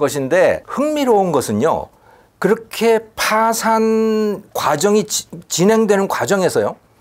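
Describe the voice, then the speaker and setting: A man is speaking. His pace is very slow. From South Korea. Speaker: economics professor and commentator. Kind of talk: interview explaining economics. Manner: explanatory, conversational. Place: studio. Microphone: lapel.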